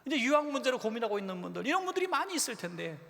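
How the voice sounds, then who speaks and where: A man preaching a revival sermon as a pastor, telling stories and acting out quoted voices with lively swings. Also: very high-pitched, rapid-fire, creaky. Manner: animated storytelling preacher, acts out quoted voices. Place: church sanctuary. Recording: long church hall reverb.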